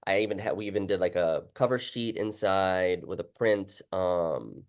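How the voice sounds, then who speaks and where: A man's voice: deep voice, normal speed. A man hosting a casual interview, talking informally and often acting out his own past remarks as he goes. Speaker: interviewer, book author. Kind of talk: casual chat.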